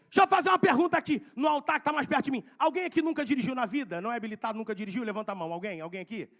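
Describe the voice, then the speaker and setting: Delivering a church sermon in a very high voice, this preacher moves from hushed asides to passionate, shouted exhortations, drawing out his emphasis slowly.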